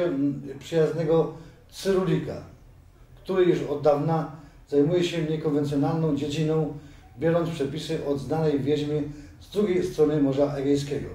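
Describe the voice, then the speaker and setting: A man voicing a sly, scheming male judge who plots and persuades, with slow, hesitant wheedling, in an amateur audio drama reading. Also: a little high, fairly even intonation, mellow, natural voice. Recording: very echoey room, far from mic.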